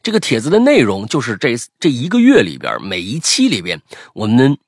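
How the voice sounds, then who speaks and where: A man's voice: mid-range voice, wildly swooping pitch, brisk, slightly rough, no echo. A man hosting a podcast, chatting casually and reading out listener stories, rambling with many restarts. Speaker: podcast host.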